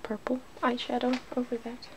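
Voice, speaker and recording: A woman's voice: a little high, completely flat delivery, moderate pace, background noise. A woman hosting a casual ASMR makeup demonstration, chatty and giggly, drifting into whispers. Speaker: ASMR video host.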